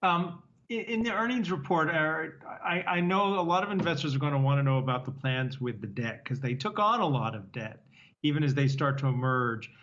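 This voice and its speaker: A man's voice: fairly high pitch, lively intonation, a little fast, fairly bright tone, slight background noise. A man co-presenting a financial show, asking conversational questions in a hesitant, tentative way. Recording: dull lo-fi remote-sounding audio.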